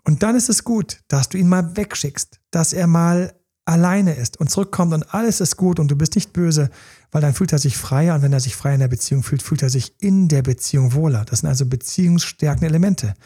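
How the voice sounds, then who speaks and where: This man's voice sits on the high side, brisk and slightly rough with a dark tone. Coaching on relationships in a relaxed podcast style, he plays out partners' pleading in character and sometimes whispers.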